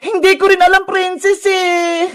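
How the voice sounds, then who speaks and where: Woman, very high-pitched, slow delivery, loud, shouty, giggly comedy skit. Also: little pitch movement.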